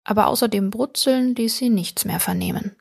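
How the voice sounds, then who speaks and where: A woman reading a short story aloud as an audiobook narrator, calm and even, close to the mic. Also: medium pitch, normal speed, gravelly, slightly rough, no echo. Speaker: audiobook reader. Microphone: close studio mic.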